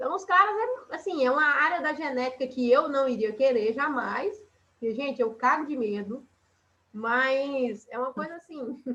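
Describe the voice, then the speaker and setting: Raising and projecting her high voice, a woman talks at a moderate pace with lively intonation. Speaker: teacher. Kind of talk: online class lecture.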